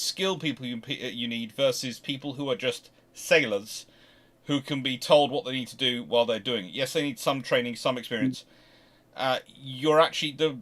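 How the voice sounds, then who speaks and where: A man in an unscripted expert discussion of history, speaking haltingly, often restarting and repeating his phrases. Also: medium pitch, fairly bright tone. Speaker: naval history discussion panellist.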